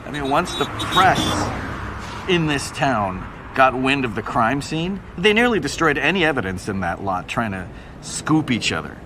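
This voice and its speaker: An actor playing a self-assured, opinionated Hollywood murder-tour guide who talks casually with a wry edge. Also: male voice, medium pitch, very animated, moderate pace, lightly acted. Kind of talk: casual conversational explaining. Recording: noisy outdoor city street ambience. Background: street and traffic noise.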